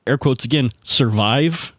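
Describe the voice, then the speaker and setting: A man talking casually as a player at a tabletop game, halting and repeating his words as he thinks aloud. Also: mid-range voice, no echo, studio quality.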